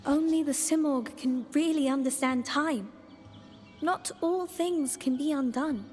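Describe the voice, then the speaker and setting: A solemn, timeless mystic for a video game. Her high voice moves slowly and cryptically. A long reverb trails it, with faint music underneath. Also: darkish tone. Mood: solemn, cryptic. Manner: measured, cryptic. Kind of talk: video game character acting.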